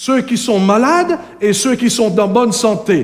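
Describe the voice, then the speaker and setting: An English accent in a room with audible echo. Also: man. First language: English (speaking French). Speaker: preacher. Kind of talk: sermon.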